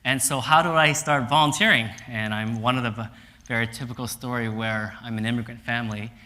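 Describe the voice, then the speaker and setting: A man's voice: mid-range voice, a little fast. A man in his thirties from Canada gives a conference talk, telling stories with energy and acting out quotes on stage. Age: 30s. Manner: energetic, animated storytelling with voiced quotes. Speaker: speaker. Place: stage in a lecture hall. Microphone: clip-on mic.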